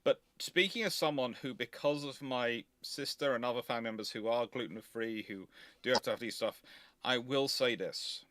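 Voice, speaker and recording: A man's voice: mid-range voice, normal speed, fairly bright tone, dry recording. Emphatic man explaining, dry close sound. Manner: emphatic, repeats and qualifies points carefully. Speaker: host of naval history live Q&A. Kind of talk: casual live commentary, explaining.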